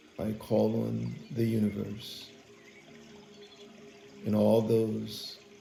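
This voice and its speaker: Noticeable background noise fills the clip. Over it, a man talks very slowly. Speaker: radionics pendulum kit maker. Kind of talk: spoken invocation.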